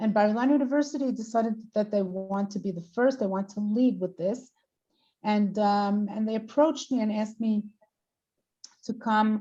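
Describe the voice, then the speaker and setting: A woman speaks at a moderate pace with fairly even intonation. Her voice is fairly high, somewhat breathy, and dark and mellow in tone. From New York, US; moved to Israel as a child. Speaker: rabbinic leader and educator. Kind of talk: interview. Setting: video webinar. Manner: halting, many fillers and repetitions.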